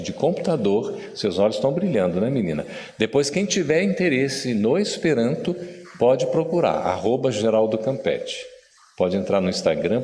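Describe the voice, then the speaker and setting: A middle-aged man with a Brazilian Portuguese accent giving a playful lecture, quizzing the audience and slowly repeating words for them to learn. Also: medium pitch, a little mellow, a little hiss or hum. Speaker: spiritist lecturer teaching Esperanto. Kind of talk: lively lecture to a live audience. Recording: long reverb of a hall.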